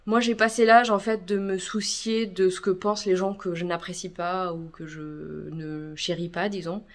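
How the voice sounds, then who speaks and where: A woman's voice: fairly low pitch, fairly even intonation, normal speed. A woman vlogger chatting casually to her followers, with a rambling, self-interrupting way of talking. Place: at home, kitchen.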